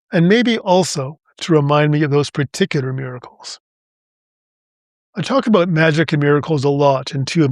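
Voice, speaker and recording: Man with a slightly high voice, dry and close. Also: no room sound. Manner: slow and deliberate, phrase by phrase; gentle inspirational reading. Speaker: podcast host. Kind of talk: reflective spiritual monologue.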